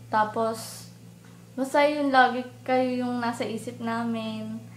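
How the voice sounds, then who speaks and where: A young woman from the Philippines gushes cheerfully in a casual fan message, with a fairly high voice. She speaks at an unhurried pace. The room echoes and a faint hum sits underneath. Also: fairly even intonation. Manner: cheerful, gushing, mixes English and Tagalog. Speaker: fan sending a video greeting. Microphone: phone or handheld camera.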